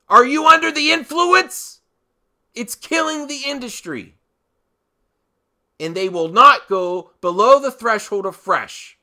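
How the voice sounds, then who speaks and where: Male commentary host, sharp and intense tone, unhurried delivery, punchy emphasis, opinionated rant style. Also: sits high. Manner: emphatic, with dramatic pauses and repeated phrases. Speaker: host of a movie commentary channel.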